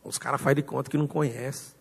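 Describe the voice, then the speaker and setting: Man, Brazilian Portuguese accent, pastor, sermon, long hall reverb, husky tone. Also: mid-range voice, steady tone, quick pace. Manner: storytelling, acts out dialogue with shifting loudness. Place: church hall.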